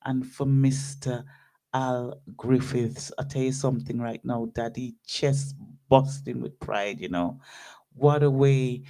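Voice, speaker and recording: Laid-back male radio host, mellow voice. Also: mid-range voice, slow pace. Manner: laid-back, warm patter with fillers. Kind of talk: casual radio sign-off.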